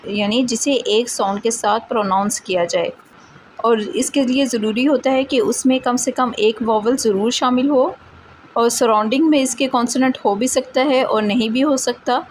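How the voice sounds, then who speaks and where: A woman hosting her own language channel, explaining a grammar lesson casually and reading English definitions slowly and deliberately. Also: on the high side, slight background noise, rough recording. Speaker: English teacher, channel host. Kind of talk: explanatory lesson, mixing Hindi-Urdu and English.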